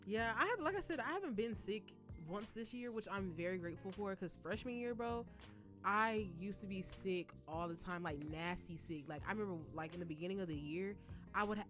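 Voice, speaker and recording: A young woman chats on a college radio show in a studio, animated and laughing. Her pitch sits mid-range for a woman, with faint music underneath. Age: young adult. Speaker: co-host. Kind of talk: casual radio chat. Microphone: studio mic.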